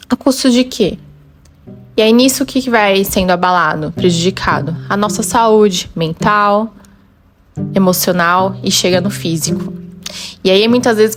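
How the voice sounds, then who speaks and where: A Brazilian woman hosting a motivational podcast, her voice sitting at an ordinary middle pitch. She tells a story chattily, acting out bits of dialogue, then turns earnest and encouraging as she speaks straight to her listeners. Soft music plays faintly underneath. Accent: Brazilian Portuguese. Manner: chatty, retells scenes with quoted dialogue. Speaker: podcast host. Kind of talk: personal storytelling and motivational monologue.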